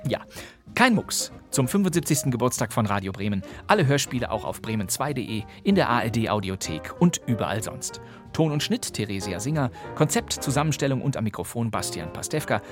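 Man, radio host, animated announcing, music behind. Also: mid-range voice, a little fast. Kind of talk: scripted radio presentation. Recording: announcement over clear music.

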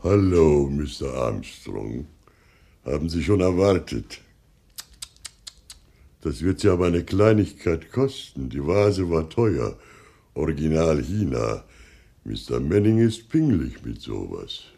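A gangster henchman from a radio crime drama, with an extremely deep, husky voice full of gravel. He speaks with mock politeness and sneering menace, swinging his intonation. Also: sing-song, slow, warm tone, exaggerated voice. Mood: mock-polite menace.

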